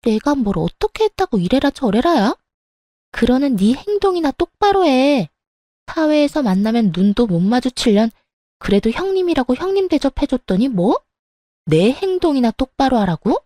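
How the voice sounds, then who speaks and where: A woman's voice: expressive, moderate pace, warm tone, dry recording, close to an everyday voice. A woman voicing a rude, spiteful young sister-in-law who curses and sneers in a dramatized story reading. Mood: furious. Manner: shrill, cursing, contemptuous.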